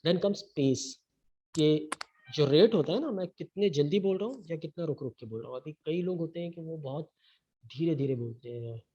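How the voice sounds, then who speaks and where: A man teaches an online training session, switching between Hindi and English and pausing often to ask "okay?". His voice sits somewhat high. The webinar audio is muffled and lo-fi. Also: expressive, mellow. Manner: mixes Hindi and English, frequent "okay?" check-ins. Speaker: lecturer. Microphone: webinar computer mic.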